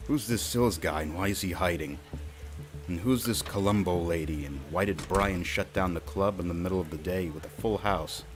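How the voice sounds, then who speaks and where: A man's voice: low voice, moderate pace, over music, close to an everyday voice. An actor playing a curious, inexperienced male sidekick who keeps asking questions in an audio drama. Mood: puzzled. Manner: questioning, puzzled.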